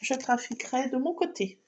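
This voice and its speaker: A woman's voice: high-pitched, measured pace, muffled recording, background noise. A woman chatting casually to viewers while doing scrapbook crafts, talking to herself as she works. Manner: chatty, talks to herself while working, fillers like voilà. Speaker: scrapbooking vlogger.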